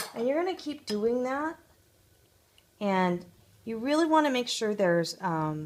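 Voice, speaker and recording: Speaking fairly slowly with long, frequent pauses, a woman's fairly high voice makes very wide pitch swings. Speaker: home cooking vlogger. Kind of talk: tutorial. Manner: casual, chatty with fillers.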